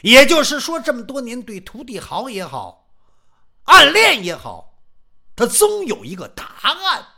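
A man narrating in traditional Chinese storytelling style, animated and rhythmic. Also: very high voice, gravelly. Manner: animated, rhythmic, drawn-out recited verse lines.

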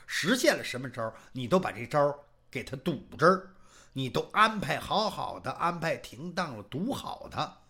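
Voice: mid-range voice, fairly bright tone. A traditional storyteller, performing animatedly and asking the listeners rhetorical questions.

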